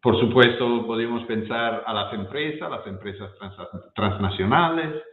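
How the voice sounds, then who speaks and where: A man with an Italian accent, a non-native speaker giving an academic presentation, halting and often repeating words as he searches for them. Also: medium pitch. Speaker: guest speaker, professor. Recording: echoey room, muffled lo-fi sound.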